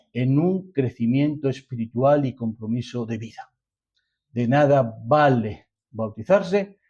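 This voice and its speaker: In a medium-pitched, somewhat mellow voice, with the highs cut off in the recording, a Spanish-accented man preaches to his congregation. He reads scripture and expounds on it emphatically, returning again and again to repetition and rhetorical questions.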